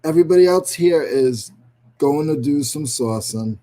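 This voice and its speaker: A man with a New England accent hosts a casual livestream, chatting away, greeting viewers by name and cracking self-deprecating jokes. His voice is a little high and mellow, animated, at a moderate pace.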